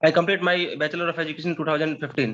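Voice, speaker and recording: A man with an Indian accent, high in pitch, with fairly even intonation. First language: Hindi. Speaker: university alumnus. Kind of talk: public question at an online meeting. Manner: halting.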